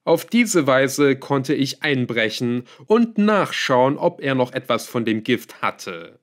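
Guy voicing a smug sneering villain, slow and calm, audiobook reading. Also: medium pitch, voice pushed up. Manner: calm, smug, lightly scornful. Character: scheming male villain, cool and mocking. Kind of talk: audiobook character voice.

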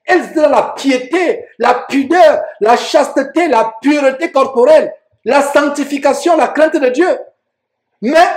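A man's voice: very high voice, roomy sound. A man preaching a sermon, reading Bible verses aloud and explaining them with emphatic rhetorical questions.

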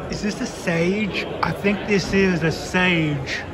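A woman on a handheld phone, ambling through a packed indoor expo and chattering on in a rambling, delighted way. A loud crowd chatters all around her, close to the mic. The sound is plain, casual phone audio from a crowded hall. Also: on the low side, slow. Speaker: vlogger touring a bonsai expo. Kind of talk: handheld walk-through commentary. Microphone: handheld phone camera.

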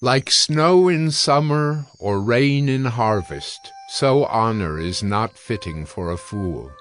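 A man narrating a dramatized audio Bible with measured, emphatic phrasing and deliberate pauses. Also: mid-range voice, fairly bright tone. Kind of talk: dramatized scripture reading. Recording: music bed under the voice. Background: music.

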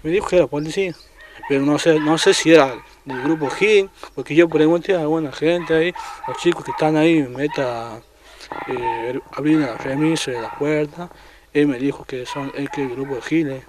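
Halting Argentine man, slightly high voice. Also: background noise. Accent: Argentine Spanish. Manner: halting, many restarts and repeated words. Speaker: traffic agent interviewed. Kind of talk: casual recounting in an interview. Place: at home.

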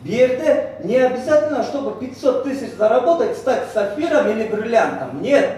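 Mixing two languages, a high-pitched Central Asian man presents motivationally as a network marketing senior manager in a large hotel banquet hall. His pitch swings widely at a moderate pace, with a mellow quality, while he boasts emphatically and poses rhetorical questions. A distant audience camera picks up noisy, echoing sound.

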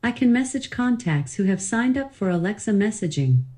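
A woman's voice: mid-range voice, expressive, normal speed, dark tone. A synthetic woman's voice giving replies as a smart speaker voice assistant.

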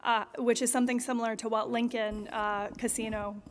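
A woman resident speaking at a podium during public comment at a town meeting, measured and hesitant, with many fillers. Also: on the high side, little pitch movement, a little hiss or hum. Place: large school auditorium. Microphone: podium microphone. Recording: long hall reverb.

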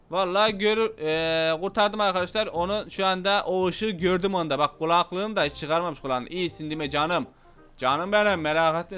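A man giving loud, playful gameplay commentary, shouting at the game's characters as he plays. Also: high voice, clean tone. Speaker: gaming channel host.

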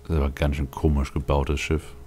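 A man's voice: a bass voice, little pitch movement, fast talker, a little mellow, slight background noise. A man giving casual gameplay commentary, musing aloud to himself as he plays. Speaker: let's play host.

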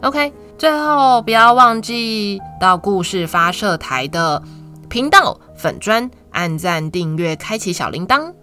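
A woman's voice: mid-range voice, sing-song, sharp tone. Taiwanese woman reading to a toddler, music behind. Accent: Taiwanese Mandarin. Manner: reading to a toddler, sing-song with drawn-out words and questions to young listeners. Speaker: children's storytelling podcast host. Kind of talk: picture-book read-aloud for young children. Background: instrumental music.

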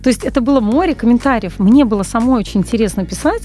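A woman in her forties, a copywriter guest on a radio talk show, telling stories in an animated way with frequent hesitations, speaking into a studio microphone. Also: on the high side, fast, soft background music. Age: 40s. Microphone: large studio mic on boom arm, wearing headphones.

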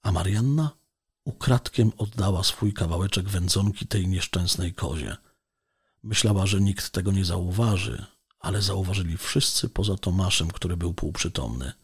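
Mężczyzna czytający powieść jako lektor audiobooka, miarowo i spokojnie. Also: male voice, low-pitched, normal speed, breathy edge. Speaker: audiobook narrator. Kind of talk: scripted narration of a novel.

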